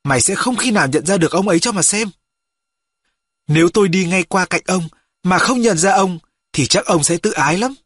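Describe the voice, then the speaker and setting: High-voiced man reading a story. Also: fairly quick, breathy edge, no echo, clean studio sound. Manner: steady, storytelling. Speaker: audiobook reader. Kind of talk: scripted narration.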